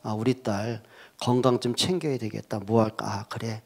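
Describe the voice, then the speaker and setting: A man's voice: fairly low pitch, steady tone, moderate pace, voice pushed down. A man playing a worried, short-tempered middle-aged mother who frets under her breath and then scolds harshly. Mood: fretting. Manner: swings between fretting murmurs and harsh scolding.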